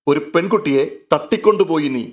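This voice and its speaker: A man voicing a gruff, sarcastic police inspector making an arrest. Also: a little high, a little fast, close to an everyday voice. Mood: stern. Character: stern, mocking male police inspector.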